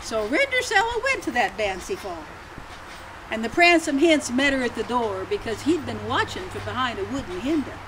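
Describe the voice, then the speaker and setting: Pitched high for a woman, her voice makes very wide pitch swings at a moderate pace over noticeable background noise. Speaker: comic storyteller. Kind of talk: comedic parody storytelling in character, reading a fairy tale aloud with spoonerisms. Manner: animated, playful, mock-earnest storyteller mangling words with swapped syllables. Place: forest. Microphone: camera far.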